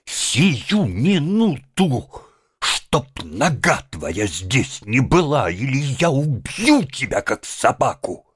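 An indignant gentleman shouts in fury, his voice raised and strained, as a male reader acts him out. The delivery is slow and the recording dry. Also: medium pitch, sing-song, breathy edge, no echo, pitched above the performer's own voice, full character voice. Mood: furious. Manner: shouting in rage. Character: furious indignant gentleman throwing out a guest.

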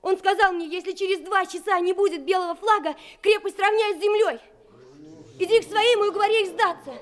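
A woman's voice: very high-pitched, brisk. A woman playing a brave, earnest young daughter of a Soviet commander in a radio drama, speaking simply like a child. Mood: subdued, grave.

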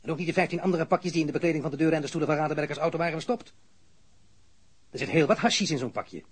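An actor playing a stern, sarcastic police interrogator in an audio crime drama, probing formally and relentlessly. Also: male voice, on the high side, lively intonation, rapid-fire, slightly rough. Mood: taunting, insistent.

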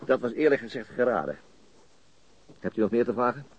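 An actor playing a calm, shrewd police detective in a radio crime drama, questioning in a measured, matter-of-fact way. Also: male voice, mid-range voice, slightly rough. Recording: dull, lo-fi radio recording.

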